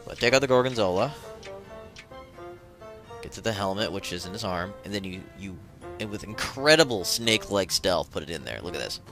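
A male game walkthrough host with a fairly low but bright voice. He talks casually and jokingly with very lively intonation, over faint music. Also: brisk, pauses often. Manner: irreverent, jokey interjections.

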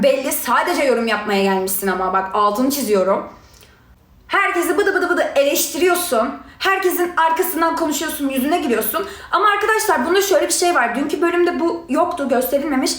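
A young woman with a high voice rants heatedly into a phone livestream, sarcastic and scolding as she talks straight to her viewers. Her voice echoes around a bare room. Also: animated, fast, a bit bright. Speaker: reality show contestant answering critics. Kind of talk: angry livestream rant.

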